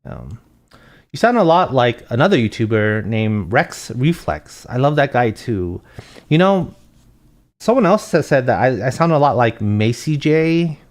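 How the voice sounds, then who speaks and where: A soft-spoken young man chatting casually while live-streaming a game, reading chat aloud and thinking out loud with a gentle voice. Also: mid-range voice, sing-song, unhurried.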